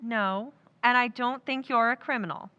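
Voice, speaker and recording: A woman's voice: fairly high pitch, normal speed, pushed and bright, smooth. A woman acting in an old-time radio drama as an earnest young sweetheart, pleading but firm, on a slightly dull recording. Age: young adult.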